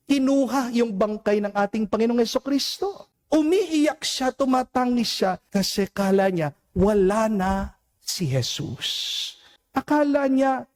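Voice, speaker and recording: A Filipino priest giving a homily, preaching slowly and deliberately, drawing out English phrases and asking his listeners "Amen?". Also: high voice, darkish tone. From Philippines. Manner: slow, deliberate preaching with emphatic rises and drawn-out English phrases; addresses listeners as "mga kapatid" and asks "Amen?".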